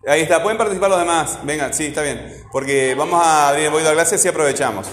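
A man's voice: a little high, fast, a bit bright, slight background noise. A man teaching a grammar lesson, asking his students questions and often answering them himself. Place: classroom. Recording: echoey room with long reverb, faint ambience.

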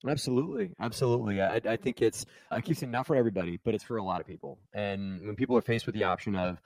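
Man, podcast host, rapid delivery, energetic, dry close sound. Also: lowish voice, creaky, no room sound, poor audio. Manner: energetic, talks fast with restarts and asides to viewers. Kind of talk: casual podcast monologue and interview.

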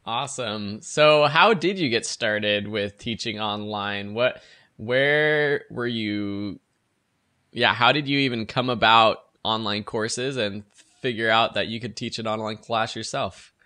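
A man's voice: fairly low pitch, a little slow, bright, forceful tone, no room sound. A man hosting a podcast, giving a polished scripted intro and then asking interview questions in an upbeat way. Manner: upbeat, polished announcer delivery. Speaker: podcast host.

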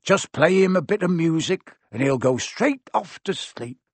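A man voicing a huge, gruff, kindly half-giant gamekeeper who rambles and blurts things out, read from a storybook. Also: on the high side, lively intonation, measured pace, dry recording, voice pushed up. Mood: rambling.

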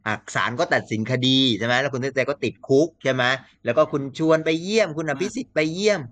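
Brief: male commentator, mid-pitched, dry close sound, lively casual political talk. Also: quick pace, dry recording. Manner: animated, mimics quotes, laughs often.

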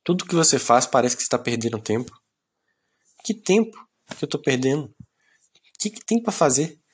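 Young mineiro guy rambling on a phone podcast, mid-pitched, grumbly and self-mocking, mumbles off at the ends. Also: sing-song, normal speed, husky. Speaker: podcast host. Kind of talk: solo rambling podcast monologue.

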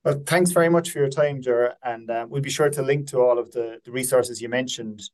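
A man's voice: mid-range voice, a little fast. A man hosting a conversational podcast interview in a polite, appreciative manner.

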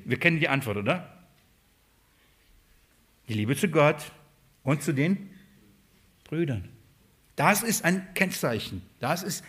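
A man with a fairly high speaking voice delivers a sermon as a preacher. He keeps putting questions to his listeners and then answers them himself, building his point step by step. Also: fairly bright tone. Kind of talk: Bible-study sermon.

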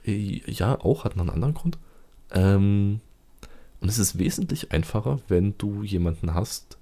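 A man chatting casually in a low, dark, slightly husky voice. He talks fast, jokes a lot and fills his sentences with ums and restarts. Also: animated. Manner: chatty, jokey, many fillers and restarts. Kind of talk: casual chat.

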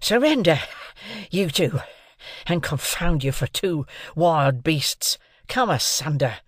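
A reader voicing a decisive, brusque army sergeant who barks loud commands. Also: medium pitch, moderate pace, no room sound, studio quality, voice pushed up, natural voice. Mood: commanding.

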